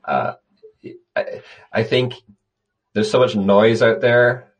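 A man with a very low, deep voice answers interview questions in an easy conversational way. He speaks thoughtfully, often restarting a phrase before carrying on. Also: fairly even intonation, takes it slowly. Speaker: conservation guest.

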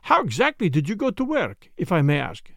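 A man's voice: high voice, huge pitch swings, gravelly, dry recording, heavily acted. A man voicing a polite, self-important Belgian detective with a French-speaking Belgian accent and mannered, precise phrasing, in a storybook reading. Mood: polite, pleased. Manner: mannered, deliberate, foreign phrasing.

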